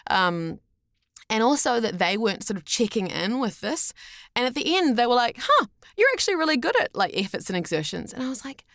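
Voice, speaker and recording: A woman's voice: fairly high pitch, big pitch swings, brisk, fairly bright tone, no room sound, studio quality. A woman telling personal stories as a podcast guest, enthusiastic and chatty, acting out what people said. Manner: chatty, enthusiastic, acts out reported speech. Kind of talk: animated personal storytelling.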